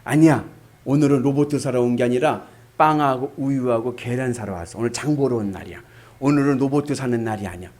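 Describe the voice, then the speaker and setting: A man voicing a patient mother who calmly coaxes her son. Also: mid-range voice, a little fast, pitched below the performer's own voice, lightly acted. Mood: coaxing. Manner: calm, coaxing.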